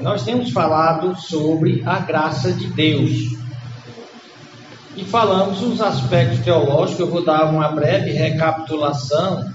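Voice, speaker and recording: A Brazilian man preaching a sermon as pastor, with a cold that makes his voice congested, teaching in an unhurried way and stressing key words. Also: sits high. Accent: Brazilian Portuguese. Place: church hall. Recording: echoey hall, dull lo-fi sound, noisy background.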